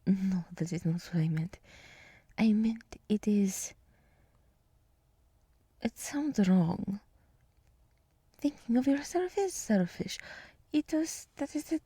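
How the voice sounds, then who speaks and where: A woman performs a gentle deer woman in an ASMR roleplay, whispering slowly and softly. Her voice is breathy and mellow, with a reassuring, soothing manner, recorded close and very dry. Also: mid-range voice, no echo. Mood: soothing, encouraging. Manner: slow, soft, breathy, reassuring. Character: gentle, soothing young deer woman, resort meditation guide. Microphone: close microphone, dry.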